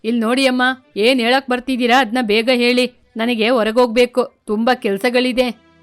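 Woman as a bullying adult son, gruff lowered voice, curt, storybook. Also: level tone, moderate pace, soft background music, natural voice. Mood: defiant. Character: rude drunken grown son, man, domineering.

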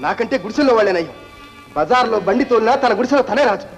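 Proud wounded son-in-law, high husky delivery, rapid, old film sound with faint score. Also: male voice, lively intonation, faint music behind, low-quality recording. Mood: bitter. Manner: bitter, defiant speeches. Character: proud angry son-in-law leaving his in-laws' house. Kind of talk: old film drama acting.

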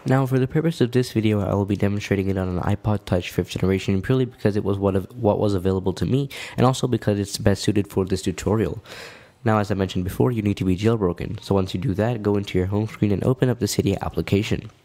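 A man's voice: lowish voice, fast, warm tone. A man narrating a casual step-by-step tech tutorial in an informal, explanatory way.

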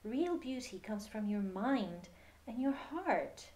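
A woman voicing a wise, tender mother in a children's storybook, gentle, comforting and reassuring. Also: mid-range voice, sing-song, takes it slowly.

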